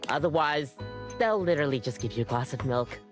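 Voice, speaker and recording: A woman playing an awkward, nervous but eager-to-please barista in a video game, with halting customer-service cheer. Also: rumbling low, animated, music in the background. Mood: awkward, chatty. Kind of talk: video game character acting.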